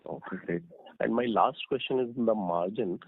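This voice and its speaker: A man's voice: lowish voice, moderate pace, a little hiss or hum. A man, an analyst caller putting questions on an earnings call. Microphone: phone line. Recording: tinny, narrow phone line.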